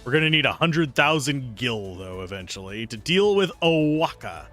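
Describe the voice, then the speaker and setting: A young man streams a game and chats through it, joking and reacting aloud. His slightly raspy voice is bright and very lively in pitch. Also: normal speed, soft background music. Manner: chatty, jokey, reacts aloud. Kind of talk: casual gameplay commentary.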